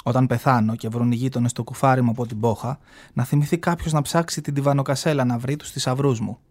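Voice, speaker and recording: A man's voice: mid-range voice, fairly even intonation, darkish tone, lightly acted. A flamboyant aging gay man tells his life story with sass and mockery, as a man reads him from a novel. He sounds proud and brash. The reading is heard from a radio studio. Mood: sassy. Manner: sassy, mocking, storytelling.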